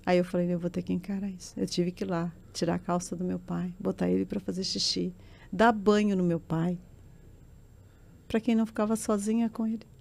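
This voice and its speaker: A woman tells a personal faith testimony in a warm, mellow voice. She speaks earnestly and with passion, pressing each point home to her interviewer. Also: fairly low pitch, little pitch movement, fairly quick, gravelly. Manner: earnest, impassioned storytelling. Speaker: guest giving a testimony.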